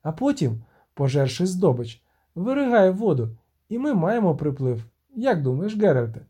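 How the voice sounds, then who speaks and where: Brief: fanciful talkative bard from a storybook, read by a man, quick and animated. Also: fairly high pitch, slightly rough. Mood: excited. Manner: rambling, excitable chatter. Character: chatty excitable male bard, fanciful and talkative.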